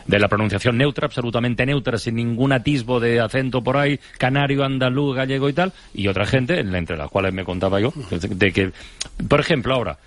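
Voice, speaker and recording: Brisk male radio host. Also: medium pitch, no echo. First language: Catalan. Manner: brisk, quick interjections. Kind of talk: radio discussion, moderating.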